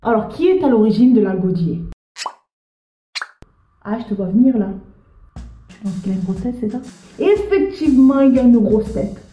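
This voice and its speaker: A woman presenting a history explainer, lively and speaking directly to the viewer. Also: on the high side, moderate pace, pauses often, echoey room, highs cut off, faint music behind.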